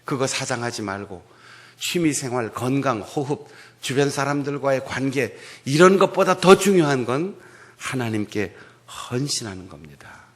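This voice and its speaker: Animated, joking male preacher. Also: medium pitch, moderate pace. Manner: humorous, animated, mimics regional dialects. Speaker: pastor. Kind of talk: sermon. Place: church sanctuary.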